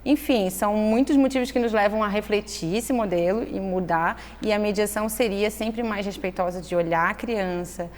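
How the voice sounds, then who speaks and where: A woman in casual conversation, explaining parenting ideas in a thoughtful, measured way, often checking in with "né". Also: mid-range voice, darkish tone. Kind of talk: conversational interview. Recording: echoey room with faint noise.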